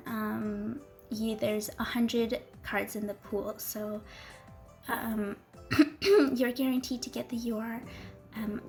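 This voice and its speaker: A young woman chatting casually through a game walkthrough, giggly and full of ums, her voice going hoarse as she loses it. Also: fairly high pitch, a little mellow. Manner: chatty and giggly, gushing over cute characters, many ums. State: losing her voice, coughing. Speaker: gaming video creator. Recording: faint music underneath.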